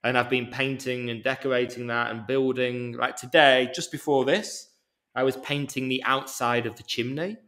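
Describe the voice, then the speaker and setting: A man with a mild Birmingham accent talks through a casual interview at a medium pitch. He speaks deliberately and a touch slowly, picking his words carefully for international listeners. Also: fairly even intonation, bright, forceful tone. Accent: mild Birmingham English. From England. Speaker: yoga teacher, podcast guest.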